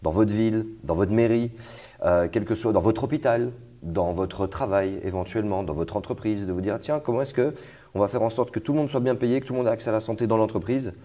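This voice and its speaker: A man's voice: lowish voice, a little fast, warm tone. A young man hosting an interview, talking casually with fillers and restarts. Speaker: host.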